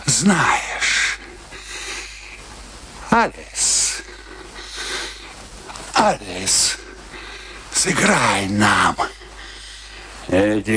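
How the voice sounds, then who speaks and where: A slow, sardonic, domineering husband. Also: male voice, lowish voice, heavy background noise, heavily acted. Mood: commanding. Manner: sardonic, declamatory, with drawn-out phrases. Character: domineering, mocking husband, theatrical military man. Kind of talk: radio play acting.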